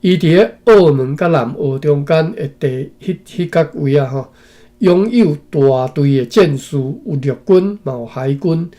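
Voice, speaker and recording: A man's voice: a little high, mellow. A man from Taiwan reads a historical text aloud in short phrases and stops often to add his own comments and tag particles. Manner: reads slowly in phrases, adding asides and frequent tag particles. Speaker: reader and commentator.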